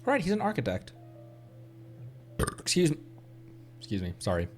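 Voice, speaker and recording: Lively male streamer thinking aloud. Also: fairly high pitch, moderate pace, faint music behind. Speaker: livestreamer, game commentator. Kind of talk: casual live game commentary. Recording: faint background noise.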